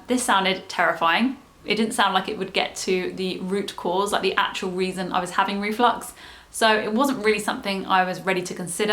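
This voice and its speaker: Casual vlogger: woman, croaky throat, chatty, explains things plainly. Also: mid-range voice, a bit bright. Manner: chatty and explanatory, with many fillers. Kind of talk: casual talk to camera.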